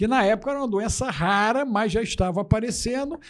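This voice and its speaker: At a moderate pace, a man with a high pitch talks with ordinary pitch variation. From Rio de Janeiro, Tijuca; Rio de Janeiro. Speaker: psychologist and pastor; pastor. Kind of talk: life-story testimony. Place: studio. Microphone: studio mic.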